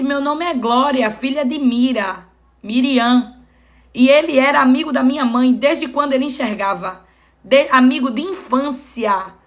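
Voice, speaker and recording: A woman preaching a Bible study sermon, emphatic and repeating phrases for stress. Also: high voice. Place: home live stream.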